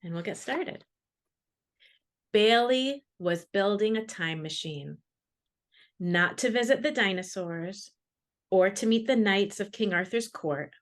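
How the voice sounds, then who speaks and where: A woman's voice: mid-range voice, slow, pauses often. Woman author on a picture-book read-aloud. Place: live video call.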